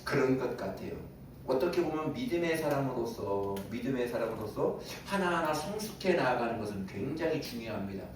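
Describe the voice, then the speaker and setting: A man's voice: medium pitch, lively intonation, a little fast. A man preaching a Sunday sermon, chatty and questioning, with an ordinary mid-range voice. He sounds set back from the mic, and the church hall rings with a strong echo under a faint hum. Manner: conversational, asks the congregation questions and chuckles. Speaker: pastor. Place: church sanctuary. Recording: very echoey room, voice from a distance.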